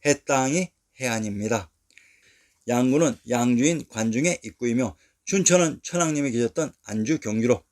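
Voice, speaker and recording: Man calmly reading a history lecture. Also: mid-range voice. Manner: measured, reads place names and sources one by one. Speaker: narrator of a history lecture video. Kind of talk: scripted lecture narration.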